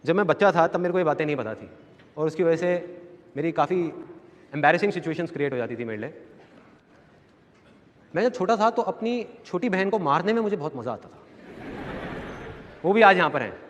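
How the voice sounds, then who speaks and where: A man from India giving a live motivational seminar talk, telling stories in a lively way and acting out voices. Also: on the high side, a little fast, long pauses. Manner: lively storytelling with acted voices. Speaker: motivational speaker. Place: large hall with an audience. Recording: echoey hall with audience.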